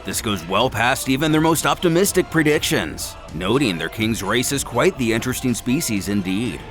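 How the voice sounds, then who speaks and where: A man's voice: mid-range voice, expressive, moderate pace, fairly bright tone. A man delivers dramatic scripted narration with an intense, theatrical edge. His mid-range voice rises and falls widely. Faint music plays behind him.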